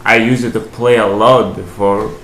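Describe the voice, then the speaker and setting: A young man from Albania with an Albanian accent, answering interview questions in halting English as he searches for words. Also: fairly low pitch, fairly even intonation, a bit bright. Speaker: podcast guest. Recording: echoey room, faint hiss.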